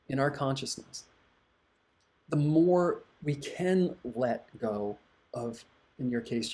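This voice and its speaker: A middle-aged man, a hypnotherapist, giving calm, reflective advice to viewers. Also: medium pitch.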